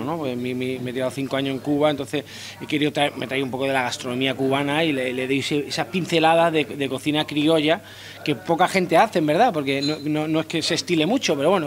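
A man in his thirties, a chef, answering interview questions in a restaurant dining room into a handheld mic, often repeating words and restarting. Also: fairly high pitch. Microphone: handheld interviewer mic held close.

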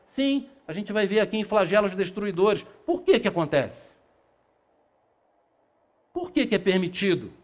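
A man's voice: high voice, sing-song, measured pace, pauses often. A middle-aged man from Brazil giving a spiritist lecture in a small meeting room, reading passages aloud and posing rhetorical questions that he answers himself. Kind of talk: lecture to a seated audience. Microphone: far camera, no handheld mic.

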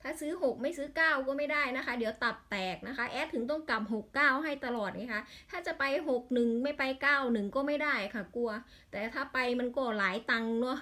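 A woman's voice: high-pitched, brisk, few pauses, bright, forceful tone. A woman with an Isan accent in a casual vlog, rattling off lottery number strings and breaking into exasperated grumbles.

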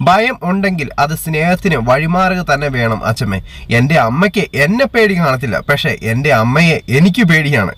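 A man's voice: fairly high pitch, fairly bright tone. A man reading as an earnest dutiful son. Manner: earnest, firm. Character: earnest young adult son, firm and dutiful.

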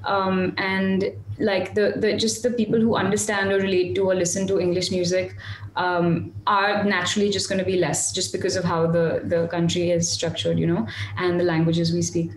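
On a webcam video call from a small room at home, a young singer-songwriter speaks in a fairly low, flat voice at a moderate pace. Though her delivery is flat, she's chatty and self-deprecating, with many restarts and fillers. The low-quality recording has an echoey room and a little hiss or hum.

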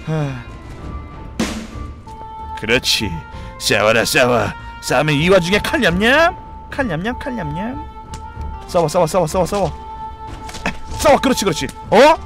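A man streaming a video game live, joking, excitable and swearing a lot, with game music playing behind him. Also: fairly high pitch, a little slow, pauses often. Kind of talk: live gameplay commentary.

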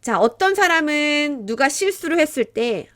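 A woman's voice: high voice, expressive, moderate pace, a bit bright. A woman teaching Korean vocabulary, explaining words patiently and acting out short example dialogues. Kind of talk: vocabulary lesson.

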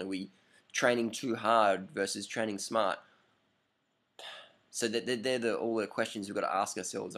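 Aussie guy in his 30s, lowish voice, rambling webcam vlog, keeps repeating himself. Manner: rambling, emphatic, repeats phrases. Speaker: vlogger answering viewer questions. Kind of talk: casual advice vlog. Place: indoor room with curtains, at night. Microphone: laptop webcam up close.

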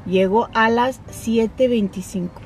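A woman with a slightly mellow, higher voice speaks slowly in a rough recording. She's a vlogger in her thirties chatting to viewers from the driver's seat during errands, moving into English when talking to staff and kids, filmed by a dashboard camera amid obvious road noise in the car, a drive-through and a parking lot.

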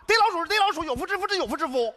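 A frantic, ranting rat-hunter. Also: male voice, very high-pitched, lively intonation, rapid-fire, pushed and bright, a little hiss or hum, exaggerated voice. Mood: exasperated ranting. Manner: exasperated ranting, repeats himself. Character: flustered neighborhood man hunting a rat. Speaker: sketch comedian. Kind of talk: stage comedy sketch. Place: television gala stage.

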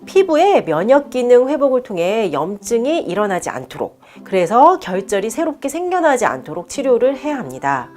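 A woman's voice: fairly high pitch, darkish tone. A woman doctor giving an explanatory medical talk in an instructive manner, stressing key terms. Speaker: doctor presenting a health video column. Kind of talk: explanatory medical lecture to camera.

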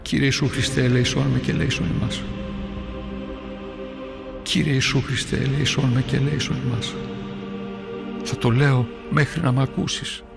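A troubled, devout early Christian. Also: male voice, mid-range voice, fairly even intonation, gravelly, pauses often, over music. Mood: earnest. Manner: earnest, prayerful, brooding. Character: troubled devout early-Christian man recalling hard times. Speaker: documentary narrator. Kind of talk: dramatized first-person documentary narration.

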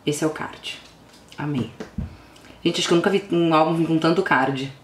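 A young woman with a Brazilian Portuguese accent, gushing and exclamatory as she unboxes an album, dropping into hushed whispers and bursting into sudden squeals. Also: deep voice, moderate pace. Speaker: vlogger. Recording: roomy echo, faint background noise.

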